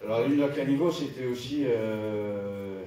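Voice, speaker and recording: A man, an actor on a festival panel, talking hesitantly with many pauses and trailing off. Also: medium pitch, dark tone. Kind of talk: panel talk. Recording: roomy hall, distant mic, faint noise.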